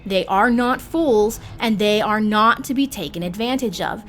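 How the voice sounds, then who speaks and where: A woman hosting a guide series, reading scripted narration in a measured, theatrical manner with formal phrasing. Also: medium pitch, fairly bright tone, faint music behind. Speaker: host of a roleplay guide series.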